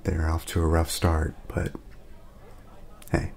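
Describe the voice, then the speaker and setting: A man speaking softly in a casual ASMR roleplay, laid-back and friendly, chatting as if to a friend. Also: very deep voice, completely flat delivery, slow pace. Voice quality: soft, breathy at times, creaky.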